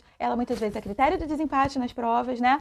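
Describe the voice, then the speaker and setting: A woman speaks in an animated tone with a high pitch. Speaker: Portuguese teacher. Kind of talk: lecture. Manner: fast.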